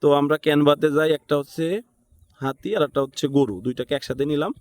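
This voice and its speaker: A man's voice: on the high side, steady tone, a little fast, darkish tone. A man with a Bangladeshi accent giving a casual, unscripted step-by-step tutorial, thinking aloud and often checking in with short tag questions. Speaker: tutorial instructor.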